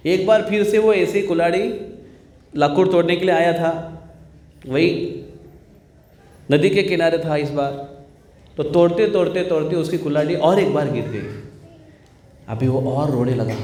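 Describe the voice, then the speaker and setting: A man's voice: on the high side, darkish tone. A man preaching a sermon, telling a story playfully with laughter, in a temple hall.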